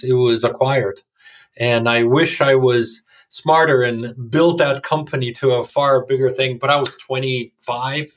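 A middle-aged man from Serbia, a company founder, telling his life story casually in an interview. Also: medium pitch.

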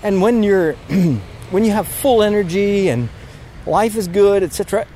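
Guy with a sore throat rambling outside in a park, stops and restarts a lot, kinda higher voice but soft and mellow, faint noise behind. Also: expressive. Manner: halting, many restarts and fillers, frustrated. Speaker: podcast host. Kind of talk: casual spoken reflection, walking outdoors. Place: outdoors in a park near road works.

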